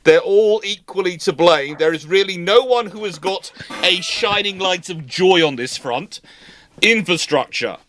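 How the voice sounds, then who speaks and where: A man's voice: sits high, expressive, measured pace, fairly bright tone. A man hosting a live naval history question stream, talking in a rambling, sarcastic way with many restarts. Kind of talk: casual live Q&A talk.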